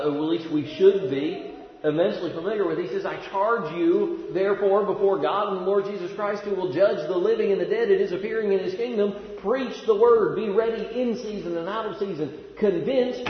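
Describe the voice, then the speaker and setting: A man preaching a sermon, pressing hard on key words and then dropping to a low, quiet tone. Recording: dull lo-fi sound with long echoey hall reverb.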